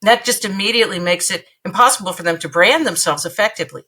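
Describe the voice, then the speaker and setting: A woman's voice: mid-range voice, fast, pushed and bright, husky. A woman guest on an interview podcast giving career advice in an emphatic, punchy way, repeating points for effect.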